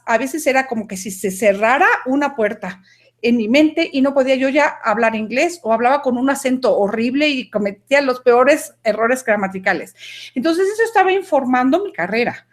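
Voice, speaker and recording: Over a video call, a high-pitched woman with roots in Mexico and Denmark shares a personal story. She's animated and emphatic, frequently correcting herself partway through sentences.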